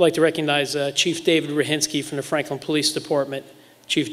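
A man speaks at a fairly quick pace in a monotone, flat intonation. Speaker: ceremony host. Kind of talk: formal welcome speech. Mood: solemn, grateful. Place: stage. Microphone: podium.

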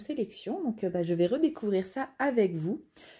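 A woman's dark, mellow, somewhat breathy voice at a moderate pace, with lively intonation and a quiet background. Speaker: crafts hobby vlogger. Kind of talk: casual unboxing chat. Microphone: phone near.

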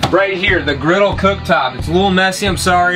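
A high-pitched male voice over clear background music. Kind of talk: casual tour commentary.

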